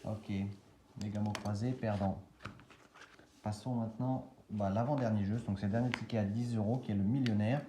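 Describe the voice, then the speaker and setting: A man's voice: lowish voice, steady tone, moderate pace, mellow, slight background noise. A man casually thinking aloud and spelling out letters as he scratches lottery tickets for a video.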